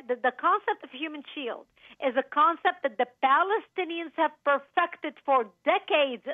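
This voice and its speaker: A woman's voice: high-pitched, dry recording. A woman from Lebanon speaking earnestly as a guest in a radio interview over the phone. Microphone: telephone. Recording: tinny phone line.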